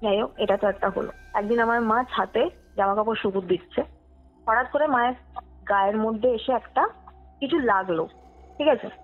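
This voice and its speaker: A woman's voice: fairly high pitch, normal speed, long pauses. A young woman tells a personal story conversationally, dropping in English words and checking that her listener follows. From West Bengal, India. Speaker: podcast guest telling her true ghost story. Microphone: phone call. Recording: tinny phone call, music underneath. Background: background music.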